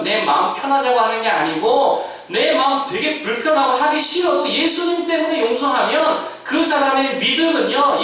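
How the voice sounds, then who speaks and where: Male pastor, sermon delivery, high bright voice, call-and-response questions, heavy church-hall echo, distant mic. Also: a little hiss or hum. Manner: asks the congregation questions and answers them himself. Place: church sanctuary.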